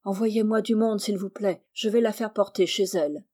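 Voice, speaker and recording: A woman reading the part of a frank, sharp-witted servant woman who speaks briskly and dryly. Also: medium pitch, natural voice.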